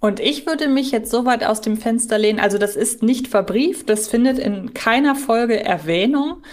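A woman's voice: fairly high pitch, moderate pace. A woman co-hosting a fan podcast, explaining details analytically in a conversational way. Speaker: podcast co-host.

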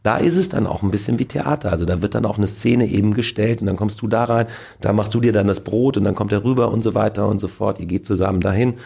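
A male actor as an interview guest, telling lively stories about film sets in a casual way. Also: lowish voice, fast talker, gravelly, slightly rough. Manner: animated storytelling with acted quotes.

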